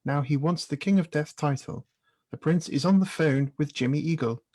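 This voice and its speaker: A man's voice: a little high, moderate pace, mellow. A man reading scripted scene-setting narration as the narrator of a staged reading.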